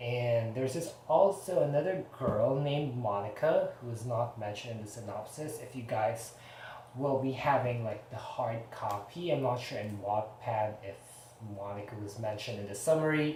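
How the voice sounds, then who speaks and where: A speaker talks at a moderate pace in a Filipino accent. Noticeable background noise can be heard. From Philippines. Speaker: book vlogger. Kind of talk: casual book review vlog.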